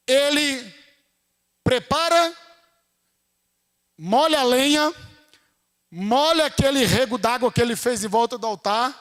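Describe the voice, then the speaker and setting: A man with a Brazilian Portuguese accent preaching a sermon in church, talking in a conversational way that climbs to fervent shouts. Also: very high voice, in a large hall.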